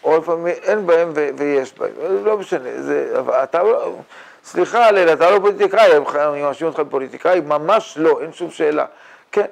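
Older male rabbi, gravelly tone, animated Torah lecture, lots of rhetorical questions. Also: a little high. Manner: animated, rhetorical questions, mock-boastful asides. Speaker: rabbi teaching a yeshiva class. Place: yeshiva study hall, indoors.

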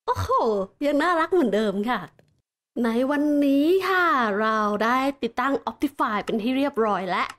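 A woman hosting casual Minecraft gameplay commentary, chatty and explanatory, with excited exclamations and giggles. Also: sits high, normal speed. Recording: background music in the mix.

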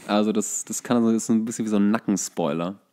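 A man's voice: fairly low pitch, fast talker, dark tone. A man chatting casually about football as a podcast co-host, often searching for his words.

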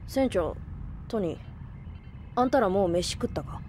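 An actress playing a brash, tough-talking boyish young male leader in an audio drama, speaking bluntly and roughly. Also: medium pitch, expressive, unhurried, darkish tone, slight background noise, lightly acted. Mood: brisk, businesslike. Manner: blunt, rough masculine speech. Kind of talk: Japanese audio drama acting. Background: background music.

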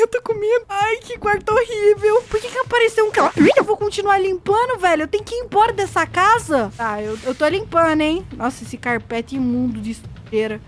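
A woman with a Brazilian Portuguese accent playing a horror game, chatting nervously to viewers. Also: high-pitched. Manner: jumpy, chatty, talks to viewers. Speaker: gameplay streamer. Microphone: headset with earphones.

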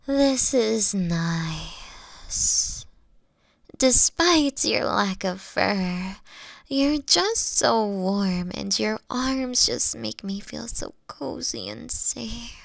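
A woman plays a young fox-witch girlfriend in an intimate roleplay audio. She is affectionate and teasing, with a high voice that swings expressively and cooing, breathy asides. The sound is dry and close. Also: expressive, very slow, dry recording, heavily acted. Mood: cozy, tender.

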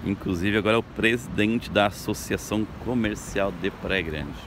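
A chatty man talks straight to his viewers in an upbeat, casual way, his voice sitting a little low. He is recorded outdoors on a phone by a seaside boardwalk, and passing traffic and street noise come through clearly behind him. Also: normal speed. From Brazil. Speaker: local tour guide vlogger. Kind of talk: casual vlog narration. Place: beach boardwalk outdoors at sunrise.

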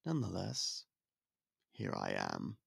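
An actor playing a young prince in an ASMR roleplay, speaking in polite, formal, soft-spoken courtship talk close to the mic. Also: male voice, deep voice, huge pitch swings, unhurried, vocal fry, slightly rough, no echo, heavily acted. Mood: courteous.

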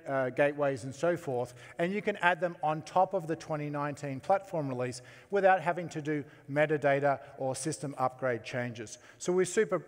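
A man giving a conference keynote as technology chief, talking in a halting way with many fillers and restarts. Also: on the high side. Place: large conference hall. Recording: long hall reverb.

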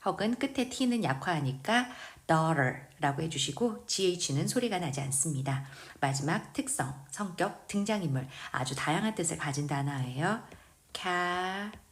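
A woman who speaks Korean natively, teaching English vocabulary in a slow, careful lesson and patiently drilling pronunciation word by word. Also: low-pitched, expressive. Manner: patient, precise pronunciation drills with repeated words.

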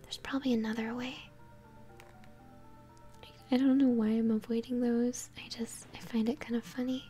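A young woman whispering gently as she hosts an ASMR let's-play, commenting on a game. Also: a little high, little pitch movement, normal speed, long pauses, soft background music. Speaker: host, gamer. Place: small room at home, indoors.

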